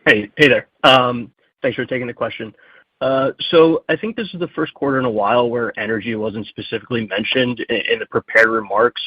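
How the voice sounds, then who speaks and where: A man's voice: medium pitch, brisk, breathy edge, no echo. A man asking questions as a financial analyst on an earnings call. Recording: dull, dry phone line.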